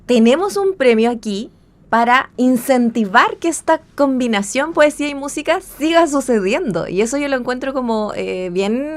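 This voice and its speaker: A woman's voice: sits high, animated, moderate pace. A woman with a Chilean accent hosting a casual radio interview in an informal, conversational way. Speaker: radio host.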